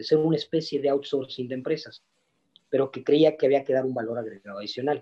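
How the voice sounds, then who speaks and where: A man's fairly high, dark and mellow voice at a fairly quick pace, with fairly even intonation. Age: 50s. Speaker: logistics company executive. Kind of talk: interview.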